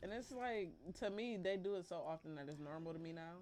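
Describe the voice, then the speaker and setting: Male podcast co-host, high voice, quick jokes and reactions. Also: animated, a little mellow, a little hiss or hum. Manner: joking, quick reactions, backchannels often. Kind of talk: casual chat.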